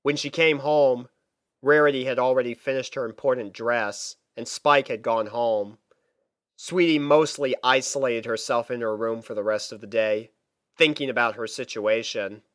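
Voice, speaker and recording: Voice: mid-range voice, fairly even intonation, normal speed, a bit bright, no echo, studio quality. A storyteller reading scripted fiction narration. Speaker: storyteller, fan fiction reader.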